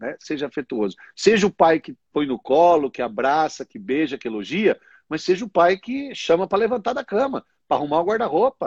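A man speaks at a moderate pace, his pitch swinging very widely. The sound is dry and close with no echo, against a quiet background. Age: 40s. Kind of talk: faith talk in a live stream interview. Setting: online live stream.

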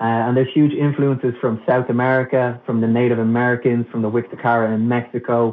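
In an Irish accent, a man rattles along at a very fast pace with hardly any pauses, his medium pitch held in a monotone, flat intonation. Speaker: psychedelic retreat co-founder, scientist. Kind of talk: casual interview. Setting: video call. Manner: halting with fillers.

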